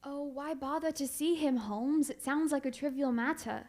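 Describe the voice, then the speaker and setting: A kindly, sentimental gentleman companion, played by a woman in radio theatre. The voice is high, with a genteel manner and an exclamatory way of reacting. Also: normal speed, a little hiss or hum, natural voice. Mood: mildly curious.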